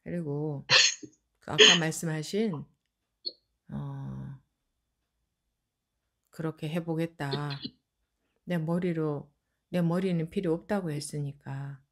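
A woman teaching as a Buddhist meditation teacher, answering a question calmly and explaining at length. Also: low-pitched, takes it slowly, pauses often. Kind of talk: dharma Q&A answer.

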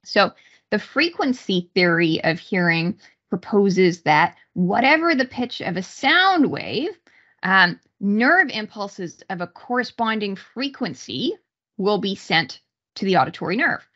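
A woman giving an explanatory online lecture, speaking haltingly with pauses mid-sentence over a video call. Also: mid-range voice, lively intonation, fairly bright tone, lo-fi sound. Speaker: university psychology lecturer. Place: small room indoors, on a video call.

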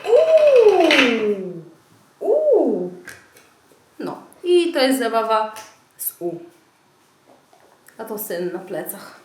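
A lively, fairly high-pitched woman in her thirties demonstrates speech games at home, breaking into sing-song syllables for her toddlers. The room is echoey and there is noticeable background noise. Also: slow pace, pauses often. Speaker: vlogger and mother. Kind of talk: casual vlog demonstration.

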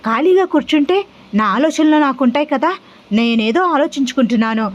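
A woman's voice: high-pitched, a little fast, dull audio, close to an everyday voice. A woman voicing a short-tempered husband who schemes revenge and snaps at his wife. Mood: irritated. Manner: brooding and irritable.

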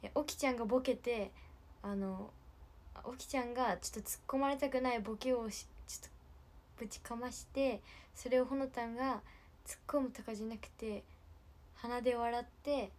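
Soft half-whispering teen girl. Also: fairly high pitch. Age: late teens. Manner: soft, often half-whispered, rambling with many fillers. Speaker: idol group member. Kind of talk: late-night livestream chat.

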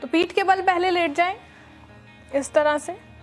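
High-voiced young woman teaching yoga. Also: measured pace, faint music behind. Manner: calm step-by-step instructions with frequent fillers. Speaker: yoga instructor. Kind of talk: instructional yoga demonstration. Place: studio with red floor and dark curtains.

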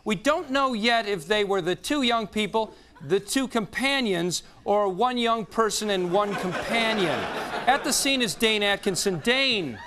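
An American actor playing an earnest, solemn TV news anchor in a parody, with a formal, straight-faced delivery. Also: male voice, high-pitched, expressive, measured pace, bright, forceful tone, exaggerated voice. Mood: earnest, concerned. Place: TV news studio desk. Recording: faint noise, audience laughter.

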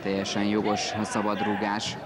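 A sports commentator calls an indoor football match live, tersely naming players play by play. His fairly low voice is delivered completely flat over a noisy crowd. The recording is from a noisy gym, an indoor sports hall with a ball bouncing behind.

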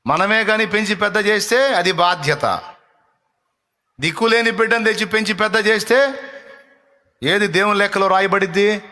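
A man's voice: high-pitched, normal speed, pauses often, pushed and bright. A male pastor preaching a fervent live sermon, impassioned and repeating phrases as he rebukes.

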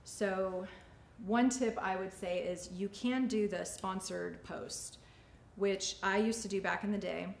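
In an echoey white-backdrop studio with faint ambient noise, a salon owner in her forties chats informally while teaching during a demonstration. Her medium-pitched voice is fairly even in intonation, slow-paced, and touched with vocal fry, with few pauses.

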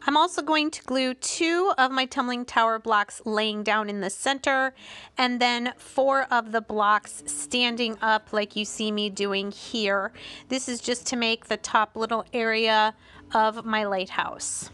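A middle-aged woman narrating a home craft tutorial in a voice-over, calm and explanatory with small chatty asides. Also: a little high, a little slow, clear, resonant tone, soft background music.

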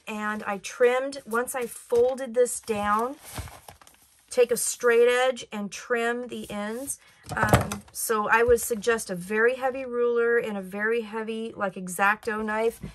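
Raspy woman, fairly high voice, chatty craft-tutorial host, faint noise behind. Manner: chatty, rambling with many ums.

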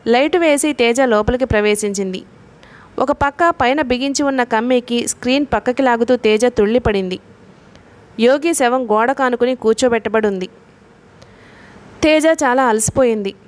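A woman's voice: on the high side, moderate pace. A woman narrating a novel as an audiobook reader, reading the characters' lines in her own voice.

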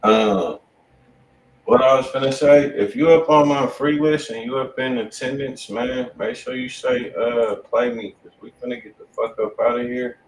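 A man's voice: medium pitch, moderate pace. An American man hosting a music review livestream, chatting casually in slangy, profane talk. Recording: echoey room, distant mic, faint noise.

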